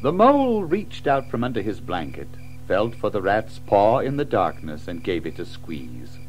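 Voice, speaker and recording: A man narrating a children's story in an expressive, measured storytelling manner. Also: lowish voice, faint music behind, low-quality recording. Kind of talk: scripted storybook narration in an audio drama.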